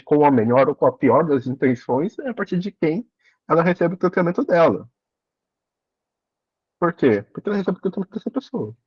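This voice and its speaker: Husky guy chatting in a study group, voice goes up and down a lot, dry muffled audio. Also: mid-range voice, dry recording. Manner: reflective, rephrasing often. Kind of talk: casual discussion.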